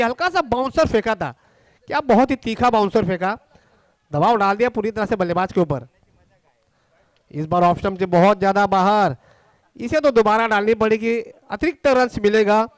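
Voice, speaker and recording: High-pitched Indian man commentating on cricket, excited. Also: no room sound. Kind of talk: live ball-by-ball cricket commentary.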